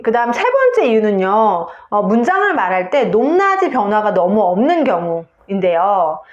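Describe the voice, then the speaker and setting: A woman's voice: medium pitch, very animated, moderate pace, echoey room, highs cut off. A woman English teacher giving a video lesson on pronunciation, explaining step by step and saying example words aloud.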